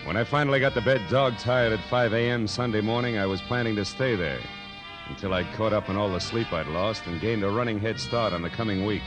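A man's voice: lowish voice, brisk, lightly acted, low-quality recording. A man playing a weary, wry private detective with an American accent and a dry, sardonic delivery in 1940s radio noir style. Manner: dry, sardonic, clipped wisecracking. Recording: vintage 1940s radio broadcast with music.

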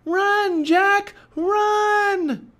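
A male narrator puts on a feisty young girl for a children's story. The voice jumps very high, urgent and bold, calling out with wide swings in pitch. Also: huge pitch swings, measured pace, a bit bright, heavily acted. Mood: alarmed shouting.

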